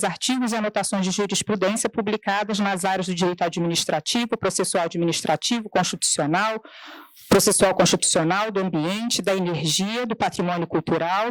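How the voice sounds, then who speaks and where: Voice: medium pitch, brisk, no room sound, poor audio. Formal moderator reading speaker bios. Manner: steady, formal listing. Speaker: conference moderator.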